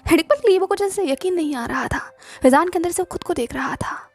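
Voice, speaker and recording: Woman narrator for a serialized audiobook; high, quick, chatty delivery. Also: expressive, soft background music. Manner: brisk, conversational, mixing in English words. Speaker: author and narrator. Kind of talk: audiobook narration of a romance story.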